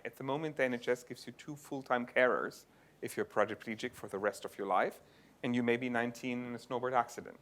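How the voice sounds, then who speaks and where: Male conference speaker, bright and forward tone, explanatory delivery with restarts, presenting tech research and fielding questions. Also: mid-range voice. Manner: explanatory, thinks aloud with restarts. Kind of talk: tech talk and audience Q&A. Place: lecture venue.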